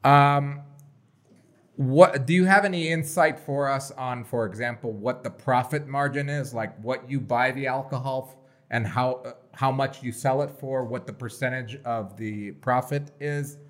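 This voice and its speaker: A man's voice: medium pitch, steady tone, measured pace. A man in his thirties co-hosting a casual podcast, joking and asking long, rambling questions. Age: 30s. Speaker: podcast co-host.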